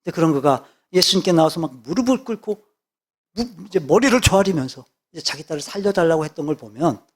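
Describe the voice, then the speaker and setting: A man's voice: a little high, animated, fast, husky. A male pastor preaching a sermon, emphatic, repeating key words and asking rhetorical questions.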